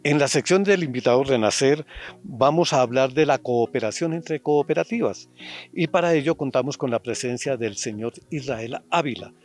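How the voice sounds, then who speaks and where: A man's voice: medium pitch, moderate pace, a little mellow, soft background music. A man in his fifties with a Colombian accent, hosting a cooperative program outdoors with a handheld mic, courteous and formal. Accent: Colombian, Boyacá. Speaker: program host. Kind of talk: outdoor interview. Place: outdoors in a farm field.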